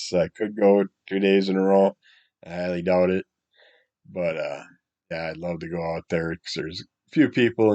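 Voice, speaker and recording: A middle-aged man, hoarse and congested from a cold, rambling casually as he opens a comic book review and often trails off into mumbles. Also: low voice, a little mellow. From Wisconsin. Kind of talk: casual solo review chat.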